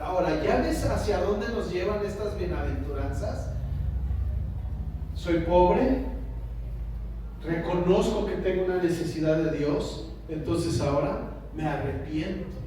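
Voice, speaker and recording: A man's voice: a little high, mellow, a little hiss or hum. A man, a pastor preaching a sermon in a conversational way and often asking the congregation questions. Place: church hall. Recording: echoey church sound from a distance.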